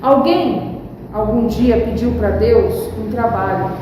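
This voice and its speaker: A woman's voice: a little high, slow pace, noisy background. A woman pastor preaching a sermon, building emphasis and acting out everyday examples. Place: church hall. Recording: echoey church hall from far off.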